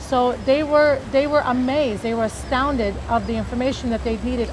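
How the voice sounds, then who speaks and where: A high-pitched woman at a moderate pace, with noticeable background noise. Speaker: person giving a testimonial about a real estate class. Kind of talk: testimonial interview answer.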